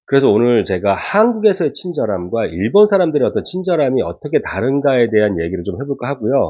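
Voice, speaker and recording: A man talks at a fairly quick pace, his voice moving in very wide pitch swings. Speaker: vlogger married to Japanese wife. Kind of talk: casual monologue to camera. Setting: living room at home.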